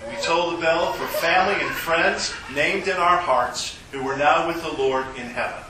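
A pastor reading names of the departed and the communion liturgy in a slow, solemn way, with a cathedral echo. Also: male voice, a little high, noisy background. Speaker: pastor leading worship. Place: large church sanctuary. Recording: distant mic in a cavernous echoing church, organ music.

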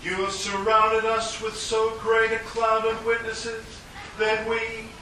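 A pastor reading names of the departed and the communion liturgy in a slow, solemn way, with a cathedral echo. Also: male voice, high-pitched, completely flat delivery, pushed and bright, a little hiss or hum. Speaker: pastor leading worship. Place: large church sanctuary. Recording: distant mic in a cavernous echoing church, organ music.

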